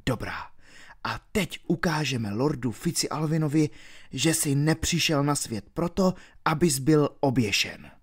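A man's voice: medium pitch, expressive, few pauses, lightly acted. A man voicing a bold young outlaw chief. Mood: hushed urgent. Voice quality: ringing, metallic when loud. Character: bold young male outlaw leader, daring and commanding.

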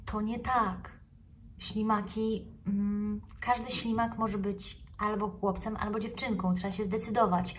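Brief: timid small snail child, quiet and hesitant, voiced by a woman storyteller. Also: medium pitch, little pitch movement, a little slow, far from the mic, slight background noise, voice pushed up, lightly acted. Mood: shy. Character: shy timid little snail boy.

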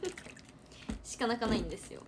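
Young woman, Kansai accent, fairly high voice; casual livestream chat, animated, loops back over her words. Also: moderate pace, background noise. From Hyogo, Japan. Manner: chatty, animated, repeats words for emphasis. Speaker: idol trainee livestreamer.

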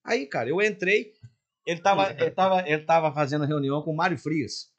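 An older man from Minas Gerais with a Mineiro accent, a guest singer on a podcast, telling a story in an animated way and acting out every line of dialogue himself. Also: fairly high pitch, brisk. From Minas Gerais, Brazil.

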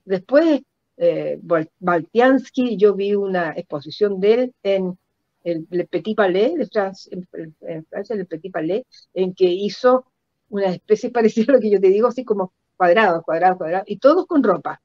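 An older woman with a Chilean accent recounts personal stories reflectively in an interview, halting and repeating words for emphasis over a video call. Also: mid-range voice, expressive, a little mellow, no room sound. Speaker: guest performance artist. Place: indoor room at home. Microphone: computer mic on a video call. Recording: dull lo-fi video call audio.

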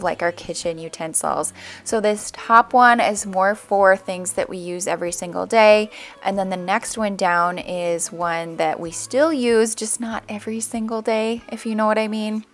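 A woman's voice: medium pitch, normal speed. A woman in her thirties narrating a home vlog over her kitchen chores, chatty and upbeat with easy asides. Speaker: vlogger, stay-at-home mom.

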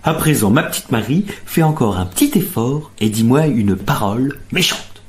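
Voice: mid-range voice, lively intonation, moderate pace, lightly acted. A performer voicing a charming, courteous young male doctor in a radio story.

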